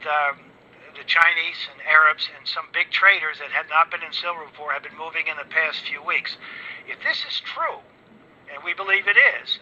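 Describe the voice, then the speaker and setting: An older man giving an informal speech as a guest speaker, rambling and emphatic, with an excitable manner. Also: a little high. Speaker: guest speaker at an investor gathering. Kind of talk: informal speech on precious metals markets. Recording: dull, band-limited audio.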